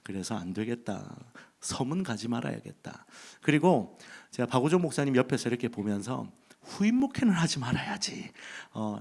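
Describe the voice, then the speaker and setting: Animated male pastor telling jokes. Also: mid-range voice, vocal fry. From Busan, South Korea. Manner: humorous storytelling with acted inner thoughts. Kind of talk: sermon. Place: church sanctuary. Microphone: handheld mic.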